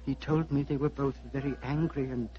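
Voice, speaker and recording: A man playing an elderly, gentle abbot who speaks solemnly and paternally, in 1940s radio drama style heard on an old broadcast recording. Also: medium pitch, steady tone, brisk. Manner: solemn, paternal, calling others "my son". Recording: dull lo-fi vintage radio broadcast.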